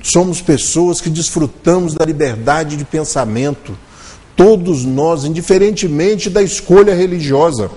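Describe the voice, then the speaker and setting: A man giving a religious lecture at a spiritist center, telling a story and slowing his delivery to stress key words. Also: fairly high pitch, mellow, husky. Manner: storytelling, shifts intonation and slows for emphasis. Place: spiritist center meeting room.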